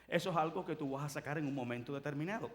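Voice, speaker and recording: A man, preaching a sermon as pastor in a church, emphatic and swelling louder at key points. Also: a little high, very fast. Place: church sanctuary.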